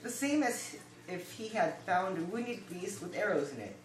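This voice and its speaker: A young woman playing a stern, measured male tribal chief in an amateur puppet show, with a deliberate storytelling delivery. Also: medium pitch, animated, lightly acted. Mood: solemn. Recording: roomy, distant home recording.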